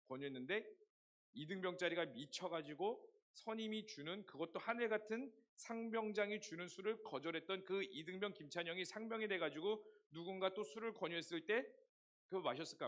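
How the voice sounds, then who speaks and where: A hoarse young man preaching a sermon to a youth group, telling stories and asking the congregation rhetorical questions. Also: high-pitched, lively intonation, brisk, fairly bright tone. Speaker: youth pastor.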